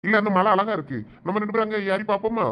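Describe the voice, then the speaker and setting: A man's voice: high voice, very fast, clear, resonant tone, close to an everyday voice. A man voicing a sly, scheming young man in a cartoon, with a Thoothukudi Tamil accent. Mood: coaxing. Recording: dull lo-fi sound.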